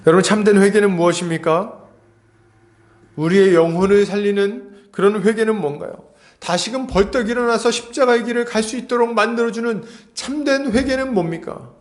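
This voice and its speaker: A man's voice: high voice, fairly quick. A man pastor preaching an expository sermon, emphatic, acting out Bible scenes and asking the congregation rhetorical questions.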